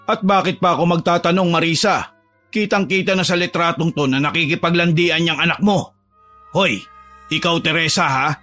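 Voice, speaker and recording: A man's voice: a little high, normal speed, pushed and bright. A man voicing a strict, angry father scolding and threatening his daughter, over faint music.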